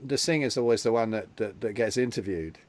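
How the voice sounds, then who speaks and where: A man's voice: on the low side, fairly quick, a little mellow, no room sound. Rambling man in a dry room. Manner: rambling, repeats words when starting a thought. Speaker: host. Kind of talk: casual video-call chat.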